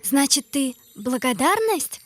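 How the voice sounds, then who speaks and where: Cartoon little girl, squeaky-high, animated intonation, excitable, clever heroine. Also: slow pace, full character voice. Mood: curious, fond. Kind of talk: animated children's cartoon acting. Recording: loud music under the voice.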